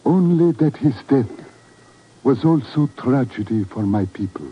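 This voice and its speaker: An old Arab leader from a radio spy drama. He is formal and shrewd, choosing his words with ceremony in a husky voice. The sound is dull, like an old broadcast. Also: medium pitch, expressive. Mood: grave. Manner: ceremonious, deliberate, speaks of himself in third person. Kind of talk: 1950s radio acting.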